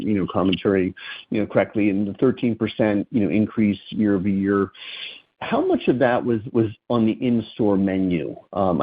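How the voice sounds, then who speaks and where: A man speaking as a financial analyst, asking questions on a call in a halting way peppered with "you know". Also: on the low side, slightly rough. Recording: tinny, narrow phone line.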